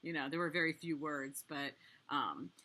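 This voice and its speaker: A woman's voice: sits low, moderate pace, sharp tone. An American woman hosting a podcast interview, chatty and friendly as she asks questions and shares small asides. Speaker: podcast host. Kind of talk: casual interview chat.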